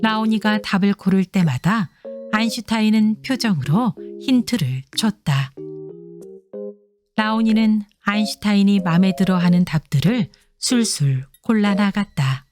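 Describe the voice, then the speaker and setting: A woman's voice: medium pitch, moderate pace. A woman narrating a scripted children's story, reading aloud expressively as if to young children. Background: soft instrumental music.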